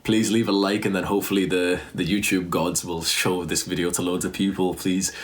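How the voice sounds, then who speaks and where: A young man talking earnestly to camera in a casual vlog. His voice is hoarse from a sore throat. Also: low-pitched, little pitch movement, fairly quick. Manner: earnest, emphatic, repeats himself. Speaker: fitness YouTuber.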